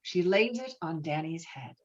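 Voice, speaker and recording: A woman's voice: low voice, animated, a little slow, lo-fi sound. A woman reading stage directions as scripted narration for a virtual table read, recorded over an online call. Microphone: online call microphone.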